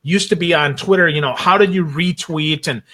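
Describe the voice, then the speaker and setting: Bright, punchy higher-voiced man, informal. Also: normal speed. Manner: emphatic, joking, informal. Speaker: guest on a marketing talk show. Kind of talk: casual talk show chat.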